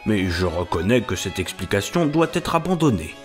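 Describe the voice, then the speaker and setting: A man's voice: fairly low pitch, sing-song, normal speed, soft background music. A man reading an audiobook, voicing a shrewd police commissioner who questions witnesses insistently. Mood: questioning.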